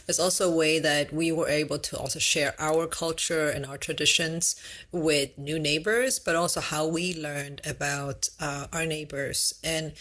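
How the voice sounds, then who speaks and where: A woman, a guest speaking casually in a thoughtful way with many pauses and restarts. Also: deep voice, fairly even intonation, fairly bright tone. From East Africa. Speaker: guest, nonprofit founder. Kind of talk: casual interview.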